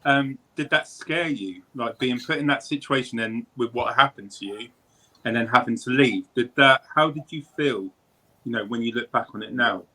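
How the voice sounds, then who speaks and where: A man with a bright, crisp-edged voice hosts a casual interview. He questions in a conversational way, often circling back to put things another way. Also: mid-range voice, moderate pace, poor audio. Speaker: host interviewing guests.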